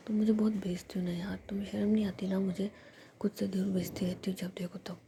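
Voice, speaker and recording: A woman voicing a sulky, playful and clingy young woman in a soft whisper, as part of a whispered story. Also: medium pitch, little pitch movement, fairly quick, creaky, slight background noise, natural voice.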